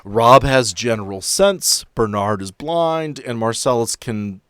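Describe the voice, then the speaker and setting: A man's voice: medium pitch, lively intonation, measured pace, a bit bright, clear, resonant tone, dry recording, studio quality. A man running a tabletop role-playing game, moving between dramatic scene-setting and casual asides as game master.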